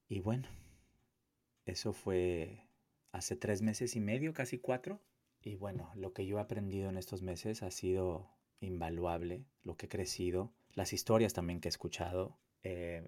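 An activist and abuse survivor tells his own story in a personal testimony monologue. His voice is low-pitched with a darkish tone, and he speaks emphatically, leaning on repetition and rhetorical questions.

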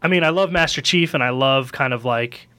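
A man's voice: mid-range voice, fairly quick, bright, forceful tone. A man hosting a casual podcast chat, enthusiastic and full of fillers like "like" and "kind of".

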